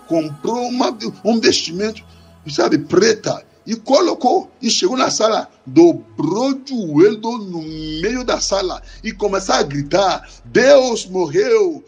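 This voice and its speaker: An impassioned pastor with a high voice preaches a sermon, driving his phrases home in chant-like repetition. Faint music plays softly behind him.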